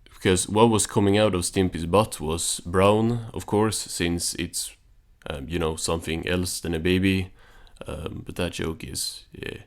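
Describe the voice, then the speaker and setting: A man's voice: low-pitched, fairly even intonation, a little slow, a little hiss or hum. A man giving a casual recap and commentary on a cartoon episode in a dry, understated way. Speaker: video reviewer and narrator.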